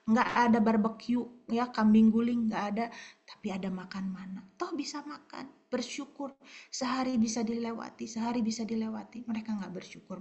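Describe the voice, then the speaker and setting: Female preacher, mid pitch, lively sermon delivery with whispered asides, muffled lo-fi sound. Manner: animated, swings between loud emphasis and soft whispers. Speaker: pastor. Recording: dull lo-fi recording.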